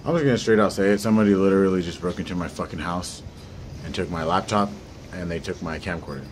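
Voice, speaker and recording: A man's voice: sits low, quick pace, a little hiss or hum. A man vlogging casually to camera, rambling and swearing freely.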